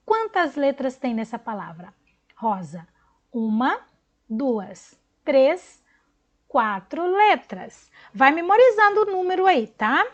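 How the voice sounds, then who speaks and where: A woman teacher speaks slowly to small children in a high, lively voice, spelling out letters one by one and praising each answer. Her voice is recorded with dull, lo-fi sound. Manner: slow, encouraging, spells out letters and counts syllables. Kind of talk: recorded online class for young children.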